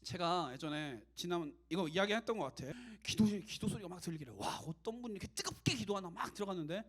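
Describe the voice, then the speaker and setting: A man preaching a casual, conversational sermon to young adults as their youth pastor, animated and direct. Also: high-pitched, fast talker.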